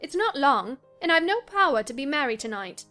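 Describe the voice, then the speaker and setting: Lady doing a willful young gentlewoman, high voice, passionate and troubled, audiobook drama with music behind. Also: very animated, a little fast, exaggerated voice. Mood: wistful, insistent. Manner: earnest, dramatic. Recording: music under the voice.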